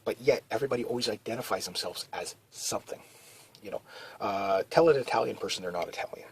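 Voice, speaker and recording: A video blogger with a fairly low, husky voice talks quickly in a casual, rambling monologue. He meanders and keeps restarting, sprinkling in lots of "you know" fillers.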